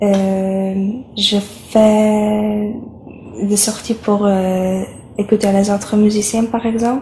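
A woman with a Polish accent speaks in a flat, monotone way over light background noise. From Poland. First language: Polish (speaking French). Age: 20s. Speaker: music student. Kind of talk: interview answers. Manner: halting. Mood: warm, smiling. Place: home room.

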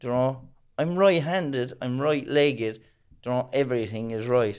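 Against a quiet background, a man with a Cork accent talks at a moderate pace and medium pitch, with ordinary pitch variation. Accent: Cork Irish. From Ireland, Cork. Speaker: recovering addict. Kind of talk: casual chat. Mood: warm, reflective, smiling. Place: studio. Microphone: studio mic.

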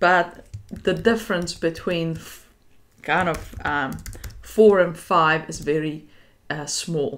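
At a very slow pace, a woman speaks with a non-native accent. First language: not English. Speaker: surgeon and software tutorial creator. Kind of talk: tutorial. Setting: screen recording. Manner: explanatory, with occasional hesitations. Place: home room.

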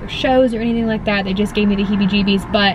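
A woman talks with noticeable background noise behind her. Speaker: vlogger. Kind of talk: casual vlog chat. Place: car.

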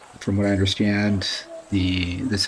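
Over light background noise, a man speaks fairly slowly in a fairly low voice. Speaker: travel vlogger. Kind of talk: casual travel vlog narration. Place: open country. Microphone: phone near.

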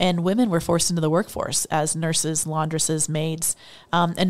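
A woman's plain, everyday voice with an American accent, fairly low pitch and fairly even intonation. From Texas. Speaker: nonprofit chief executive. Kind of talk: interview. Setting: in person at the organization's building.

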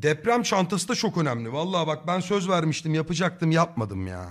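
Animated and fairly quick, a man talks at a fairly high pitch with very wide pitch swings. He leaves hardly any pauses, against a quiet background. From Turkey. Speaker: streamer. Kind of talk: live stream reaction commentary. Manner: casual, animated. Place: home room. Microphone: studio mic.

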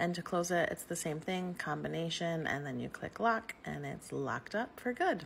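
A woman talks at a moderate pace with hardly any pauses. Light background noise is present. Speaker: travel vlogger. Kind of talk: room tour narration. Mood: upbeat and pleased. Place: home room. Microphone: phone near.

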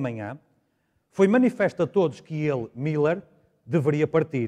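Against a quiet background, a man with a European Portuguese accent speaks at a moderate pace with lively intonation, his fairly high voice carrying a dark, mellow tone. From Portugal. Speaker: preacher. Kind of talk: sermon. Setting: church. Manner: earnest, persuasive. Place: church. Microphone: lapel.

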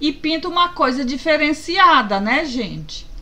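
Speaking at a very slow pace, a woman's bright, sharp voice makes very wide pitch swings. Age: 50s. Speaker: painting livestreamer. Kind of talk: live painting tutorial with chat. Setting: livestream. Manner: casual and chatty. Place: home room.

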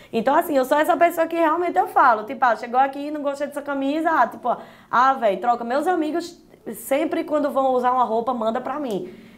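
Loud and animated, a woman speaks in a high voice with a strong northeastern Brazilian accent. Her pitch varies in an ordinary way. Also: fairly quick pace. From Paraíba sertão, Brazil (Solânea); Paraíba, Brazil. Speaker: comedian youtuber; interview guest, comedian. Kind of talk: TV interview. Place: studio.

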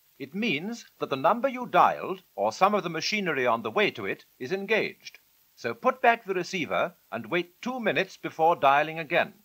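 With a British accent, a man speaks in a high voice with a bright, sharp tone. His pitch swings very widely, and his pace is moderate. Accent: old-fashioned British received pronunciation. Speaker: instructional announcer on telephone record. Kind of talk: vintage instructional narration, scripted 1920s public-information record. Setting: old 78 rpm record recording.

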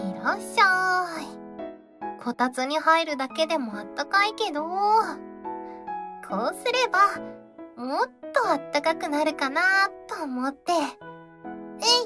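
A woman talks at a very slow pace in a gentle tone. Music plays in the background. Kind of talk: ASMR whisper voice, intimate close-mic roleplay. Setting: binaural microphone recording. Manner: soft, gentle, intimate, cozy.

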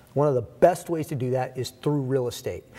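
A man's somewhat breathy voice, dark and mellow in tone, moves at a moderate pace. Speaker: mortgage lender; guest. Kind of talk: interview answer. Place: studio. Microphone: lapel.

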